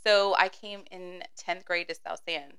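A woman's voice: lowish voice, fairly even intonation, measured pace, bright, forceful tone, clean tone. A woman in her thirties, a guest on a casual chat, agreeable, often saying yes and laughing. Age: 30s. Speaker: guest, boutique owner.

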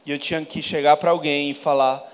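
A man with a high voice interprets a sermon live, echoing each phrase right after the preacher and sometimes restarting mid-line. The church hall adds a long reverb behind him. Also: level tone, a little fast, clear, resonant tone. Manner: follows each line closely, with small restarts. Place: church sanctuary.

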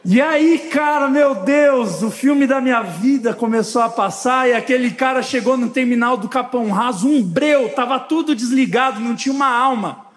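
High-voiced animated pastor. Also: male voice, moderate pace, few pauses. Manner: animated, lively storytelling with quoted dialogue. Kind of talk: sermon with personal storytelling. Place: church hall. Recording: long hall reverb.

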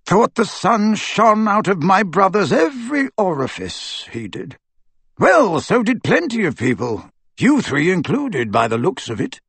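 Man acting a gruff, bitter old wizard, raised pitch. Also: very animated, a little slow, fairly bright tone, no room sound, full character voice. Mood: scornful. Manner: rough, terse, scornful.

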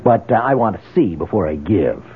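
An actor with an American accent playing a brash, tough ex-Marine in a 1970s radio drama, casual and probing in manner. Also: male voice, fairly low pitch, animated, brisk, a little hiss or hum, natural voice. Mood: easy confidence. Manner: hesitant interjections, casual, probing. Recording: muffled tinny 1970s radio broadcast.

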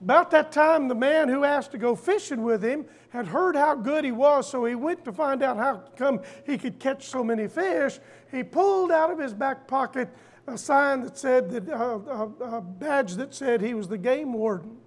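With a high-pitched voice, an older preacher gives a folksy, story-driven sermon, repeating certain phrases on purpose to drive points home.

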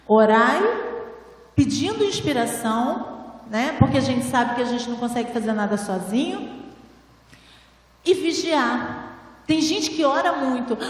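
A lecturer at a spiritual temple, a woman with a high voice, patiently gives a didactic spiritual talk to a seated audience, asking rhetorical questions and often saying "né?". Though she uses a handheld microphone, her voice sounds far off, wrapped in the long, booming reverb of a large, echoey hall.

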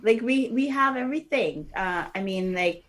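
A woman's voice: a little high, animated, normal speed. A woman author talking about her children's books in a casual interview, earnest and thoughtful, with frequent fillers and restarts.

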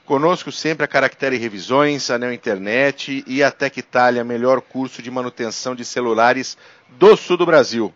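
Man, Brazilian accent, podcast host, mid-pitched voice, casual introductions, slightly dull lo-fi recording. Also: normal speed, fairly bright tone, no echo.

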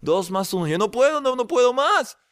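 A man's voice: fairly high pitch, very animated, a little slow, dry recording, studio quality, pitched above the performer's own voice. A man voicing an anxious, sleepless man who pleads with his friend in a raised, strained voice. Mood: distressed.

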